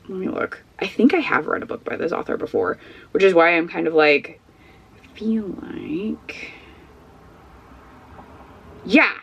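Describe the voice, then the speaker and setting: A woman's voice: mid-range voice, gravelly, a bit bright, breathy edge, lo-fi sound. A woman vlogging at home, chatting casually and rambling through frank book opinions, sniffly and losing her voice. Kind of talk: casual book review chat.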